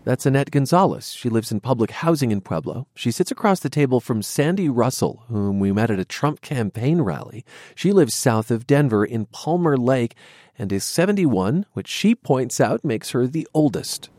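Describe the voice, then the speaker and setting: A male radio reporter narrates a news story with a lively, rising-and-falling delivery. The sound is dry and close, with no room around his voice, and his pitch sits in the ordinary middle range. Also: no room sound. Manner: measured, lively intonation. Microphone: studio microphone.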